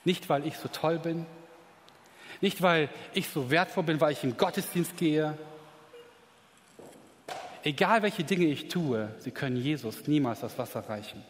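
A man preaching a sermon with emphatic, rising delivery that swings between quiet stretches and excited peaks. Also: on the high side, unhurried, long pauses, a little hiss or hum. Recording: reverberant hall.

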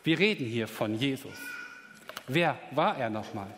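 Emphatic preacher in a reverberant hall. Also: male voice, mid-range voice, a little slow, a little hiss or hum. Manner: emphatic, rising to excited peaks. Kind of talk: sermon.

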